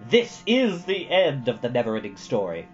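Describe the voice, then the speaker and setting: A man voicing a solemn, fatalistic old male keeper of a magical chronicle in a storybook reading, with a deep, dark voice and portentous delivery. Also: big pitch swings, normal speed, lo-fi sound, soft background music, natural voice. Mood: grim, final.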